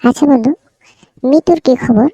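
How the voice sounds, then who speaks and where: A woman's voice: high-pitched, moderate pace, warm tone, no echo, lo-fi sound. A woman voicing a teasing, bossy but caring cartoon friend in a casual, familiar, nudging way. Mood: friendly. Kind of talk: cartoon dialogue.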